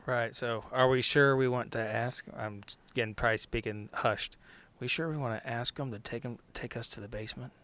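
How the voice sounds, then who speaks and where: A man playing a tabletop game, talking casually and hesitantly, often hedging and dropping to hushed tones in character. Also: medium pitch, steady tone, normal speed, few pauses, slight background noise. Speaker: player.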